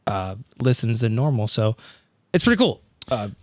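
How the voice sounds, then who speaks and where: Regular guy on a podcast, dry sound, casual and kinda halting, repeats himself. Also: mid-range voice, very animated, dry recording. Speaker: podcast player and co-host. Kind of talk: casual chat.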